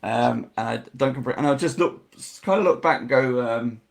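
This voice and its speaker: A man playing a tabletop game, speaking calmly with a gravelly voice. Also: medium pitch. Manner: slow and calm. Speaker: player.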